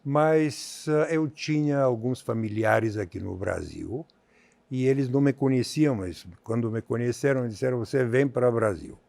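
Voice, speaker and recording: A man in his seventies from Bulgaria, speaking with a Bulgarian accent as a guest in an interview on a theater stage, measured and halting with many fillers. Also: mid-range voice, creaky, a little mellow, no echo. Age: 70s. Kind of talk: stage interview on a TV talk show.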